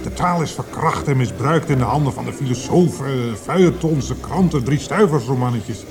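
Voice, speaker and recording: A man's voice: medium pitch, lively intonation, normal speed, natural voice. An actor playing a zealous male poet in a radio drama, speaking in solemn, grandiloquent declamation. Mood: impassioned, declaiming. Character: fervent male poet, zealous would-be leader of language purists. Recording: music behind the voice. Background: music.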